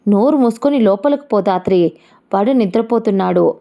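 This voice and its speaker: A woman's voice: medium pitch, lively intonation, moderate pace, gravelly, dark tone. Woman playing a stern, protective mother. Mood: scolding. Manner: scolding, protective. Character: middle-aged mother, caring but stern.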